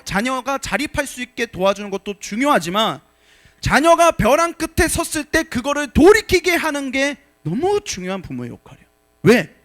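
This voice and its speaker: A male pastor delivering a sermon in a high, lively voice that swings widely in pitch. He reads scripture calmly, then presses his point with sudden bursts of emphasis. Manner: animated, shifts from quiet reading to shouted exhortation. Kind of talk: sermon to a young adult congregation.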